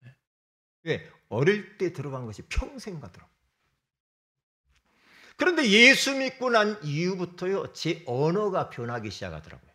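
A man's voice: high-pitched, sing-song, moderate pace, long pauses, pushed and bright. A man preaching a sermon as pastor, emphatic, often throwing rhetorical questions at the congregation.

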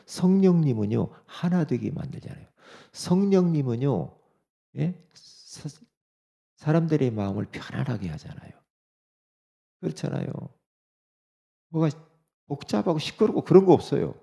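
A middle-aged man preaches to his congregation with a gravelly, dark tone. His pitch moves a great deal, and he shifts from quiet asides to loud, pressing exhortation. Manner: animated, swings between soft asides and loud exhortation. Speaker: pastor. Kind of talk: sermon.

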